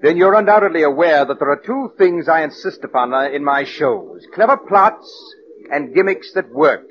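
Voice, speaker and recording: An actor playing a pompous, condescending male radio producer who speaks slowly and deliberately, in 1940s radio acting style. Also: on the high side, animated, slight background noise, lightly acted. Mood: haughty. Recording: muffled old radio broadcast.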